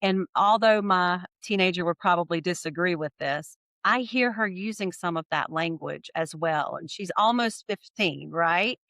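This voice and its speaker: Woman, low-pitched, middle-aged, reflective guest, dry recording. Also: normal speed, hardly any pauses, dry recording. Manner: thoughtful, warm, frequent "right?" tags. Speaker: podcast guest. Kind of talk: reflective interview answers.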